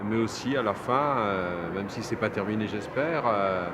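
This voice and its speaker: Man speaking over loud street noise. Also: lowish voice. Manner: reflective, halting. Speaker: documentary interviewee. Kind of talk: interview clip.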